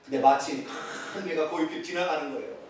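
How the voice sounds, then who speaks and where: A man preaching a sermon as pastor, with a regional Korean accent, swinging between loud exclamations and hushed asides. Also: fairly high pitch, quick pace. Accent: Korean regional dialect. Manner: animated preaching with sudden loud exclamations and drops to near-whispers. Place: church sanctuary. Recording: echoey church sanctuary, from far off.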